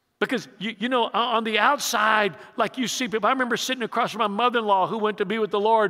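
The voice is raised and projected, its intonation fairly even. Background noise is noticeable. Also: man. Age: 60s. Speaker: pastor. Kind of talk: sermon. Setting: church.

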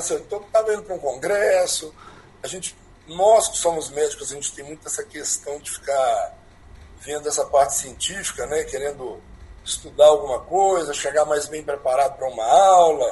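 Against noticeable background noise, the voice moves at a moderate pace with big swings in loudness. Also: man. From Minas Gerais, Brazil. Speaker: cardiologist. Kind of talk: casual interview.

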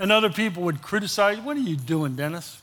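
Raised and projected, a man's bright, sharp voice swings very widely in pitch. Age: 70s. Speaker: pastor. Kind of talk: sermon. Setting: church.

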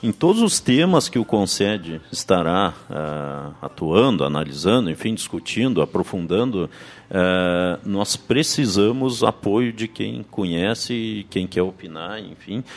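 A man's very deep, low voice at a very slow pace, with lively intonation and hardly any pauses. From Pelotas, Rio Grande do Sul, Brazil. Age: 50s. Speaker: council president. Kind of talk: radio interview. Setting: radio studio.

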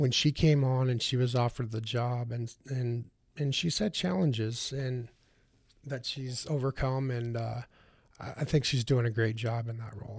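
A man speaks at a medium pitch with a US Midwestern accent and fairly even intonation. His voice is somewhat breathy, and his pace is moderate. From Northeast Nebraska. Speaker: state fair livestock staff. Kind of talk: interview.

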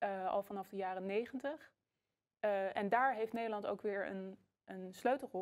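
Medium pitch and fairly even intonation from a woman, an unremarkable speaking voice. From Netherlands, The Hague. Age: 20s. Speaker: politician and biochemist. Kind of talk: interview.

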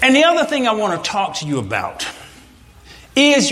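Over noticeable background noise, a man speaks in an animated tone with very wide pitch swings. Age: 60s. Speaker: pastor and businessman. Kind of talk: sermon-style talk to a youth audience. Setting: church hall with live audience.

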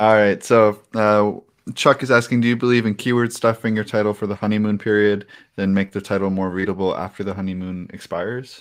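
Against a quiet background, a man with a fairly low pitch talks fairly quickly in a flat monotone. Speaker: podcast co-host. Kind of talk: reading aloud. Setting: video call.

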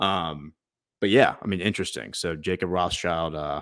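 Very deep and low, a man's voice moves at a fairly slow pace with ordinary pitch variation in a very clean recording with a silent background. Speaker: podcast co-host. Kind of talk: casual chat. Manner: filler-heavy, rambling.

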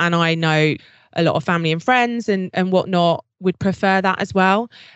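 A woman talks in a normal speaking voice at a medium pitch and moderate pace, with fairly even intonation. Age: 30s. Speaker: podcast co-host. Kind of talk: casual chat.

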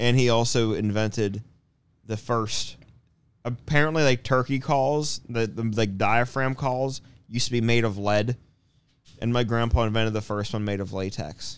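A man with an unremarkable speaking voice talks at a moderate pace in a medium pitch, his intonation fairly even. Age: 30s. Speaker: podcast co-host. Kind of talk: casual chat.

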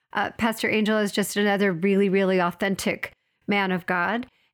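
A woman at medium pitch uses a normal speaking voice and fairly even intonation at a moderate pace. The recording is very clean, with a silent background. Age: 50s. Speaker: podcast co-host, inner healing practitioner. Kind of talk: casual chat.

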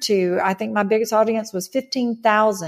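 A woman with a Southern US accent and a fairly high pitch. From US South, North Mississippi. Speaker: motivational speaker and author. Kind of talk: interview. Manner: animated.

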